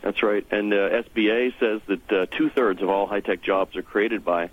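A man's voice: fairly low pitch, fairly even intonation, normal speed, no echo. A man explaining policy points as a guest in a radio interview, over a thin phone line. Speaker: interview guest, technology trade association representative.

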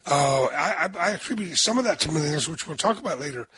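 An older man with a hoarse voice, hosting a radio talk show in a chatty, rambling way. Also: a little high, animated, quick pace, noisy background.

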